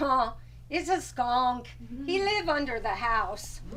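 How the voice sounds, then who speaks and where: A woman's put-on character voice, high-pitched and fairly slow, over clear background noise. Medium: stage play. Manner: broken English, casual.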